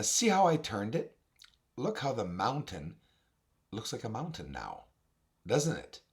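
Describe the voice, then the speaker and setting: Hoarse, raspy man narrating informally. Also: on the low side. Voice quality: raspy, husky. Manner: emphatic, addresses viewers directly as guys. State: hoarse voice, recovering. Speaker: video host, amateur telescope observer. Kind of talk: informal narrated walkthrough of on-screen images.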